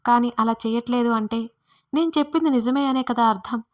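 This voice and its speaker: Woman voicing a calm, menacing gang boss. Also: on the high side, brisk, natural voice. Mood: calm menace. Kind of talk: audio story character reading.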